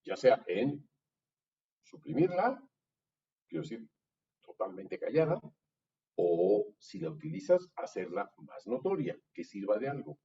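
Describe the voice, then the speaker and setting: A man with a Mexican accent, a music workshop teacher patiently coaching a student through a vocal improvisation exercise in halting, encouraging phrases. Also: medium pitch, big pitch swings, vocal fry, dark tone. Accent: Mexican Spanish. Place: university music classroom. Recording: dull, distant room recording with faint noise.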